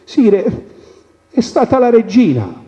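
A quick-witted peasant farmer gives cheeky answers in a high, lively voice, as a male storyteller does him. His tone is mellow, and it comes through a dull radio recording with a long reverb. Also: exaggerated voice. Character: cunning humble peasant farmer, a man.

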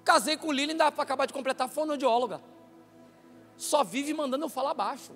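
A male pastor, preaching a loud, joking, animated sermon in a church. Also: very high-pitched, fairly quick. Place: church sanctuary. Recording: reverberant church hall with faint music.

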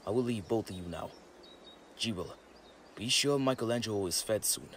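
A man playing a calm, wise tribal guide with a formal, measured manner in a motion comic. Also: lowish voice, a little hiss or hum, lightly acted. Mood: gracious. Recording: loud music under the voice. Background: music.

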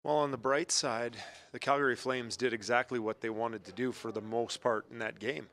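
A man's voice: medium pitch, moderate pace. Man analyst breaking down hockey plays. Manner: relaxed, explains plays with hockey terms. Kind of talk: sports post-game analysis. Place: TV studio desk. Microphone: handheld mic.

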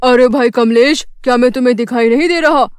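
Man acting an excitable cartoon village man. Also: extremely high pitch, brisk, smooth, no room sound, studio quality. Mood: challenging. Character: bickering, excitable village men in horror cartoon.

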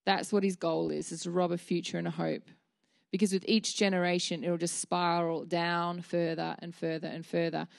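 Woman, 30s, church speaker; low-ish voice, candid conversational sermon, dry close handheld-mic sound. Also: little pitch movement, moderate pace, gravelly, no room sound. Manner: earnest, candid, with fillers and restarts. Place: dim church stage with a small seated audience.

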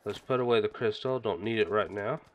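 Guy with a stuffy nose chatting thru his gameplay, kinda low voice, gets excited a lot. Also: fairly quick, a little hiss or hum. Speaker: gaming channel host. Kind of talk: casual game commentary.

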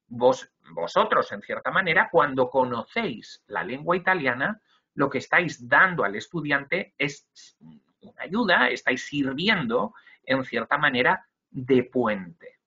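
A man's voice: medium pitch, sharp tone, breathy edge. A young man teaching other teachers in a webinar, explaining slide by slide and dotting his talk with "ujú" and "eh". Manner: explanatory, with frequent "ujú" and "eh" fillers. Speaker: Spanish language teacher trainer. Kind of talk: webinar lecture. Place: indoor room. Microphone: video call webcam. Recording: dull lo-fi video call audio.

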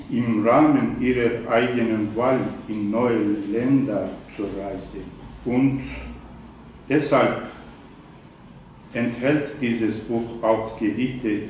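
Speaking halting German with many ums and self-corrections, an older poet, Zazaki-speaking by birth and from Eastern Anatolia, slowly introduces his work and reads prepared pieces at a literary evening. His voice is mid-range and darkish in tone. The wine bar event room is heard through a distant camera mic, with faint room noise and heavy reverb.

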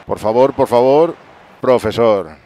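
A man commenting on his own football video game match, excitable, playing mock sports commentator and breaking into bursts of cheering, recorded at home. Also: medium pitch, unhurried, slight background noise. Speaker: gaming channel host. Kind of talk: excited let's-play commentary. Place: home room at night.

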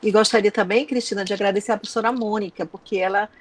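A woman panelist at an online lecture, talking warmly and enthusiastically. Her voice is mid-pitched and comes through a video call. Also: steady tone, fast. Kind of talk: casual thanks at an online lecture.

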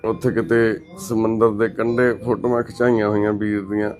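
A man's voice: lowish voice, level tone, normal speed, over music. A man working as a charity volunteer, earnestly pleading with an absent son to call his grieving mother. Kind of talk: emotional appeal to camera.

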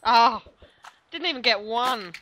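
A woman playing a game as a guest, excitable and cheering out loud. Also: fairly high pitch, slow, over music. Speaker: guest player. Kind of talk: casual let's-play chat.

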